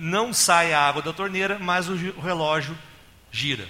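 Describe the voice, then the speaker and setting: A man with a high pitch and fairly even intonation, amid audible room echo. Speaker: city councillor. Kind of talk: council speech.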